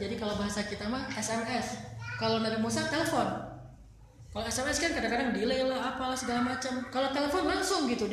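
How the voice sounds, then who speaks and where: Woman preaching, acts out the story voices, big reverby hall, faint hiss behind. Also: a little high. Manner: animated, acts out dialogue in her tale. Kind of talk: sermon storytelling. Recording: echoey hall with faint noise.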